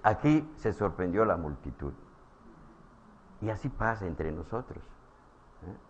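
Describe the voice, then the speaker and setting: A man preaching a sermon, repeating his phrases, calling his listeners brothers and asking "eh?" as he swings from loud emphatic lines to low quiet ones. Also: very animated, unhurried, a little hiss or hum. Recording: dull lo-fi sound.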